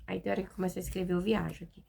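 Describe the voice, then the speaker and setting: A woman with a Brazilian Portuguese accent giving an informal devotional Bible talk, chatty, with many fillers and tag questions, and reading verses slowly. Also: fairly low pitch, level tone, vocal fry, warm tone, husky. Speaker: Bible teacher.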